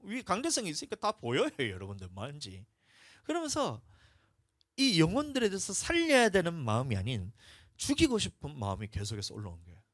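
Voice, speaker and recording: A man with a Gyeongsang Korean accent preaching a sermon in a church, telling a testimony and swinging between hushed talk and loud shouts. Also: on the high side, huge pitch swings, fairly quick, dry recording, studio quality. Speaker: pastor. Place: church sanctuary.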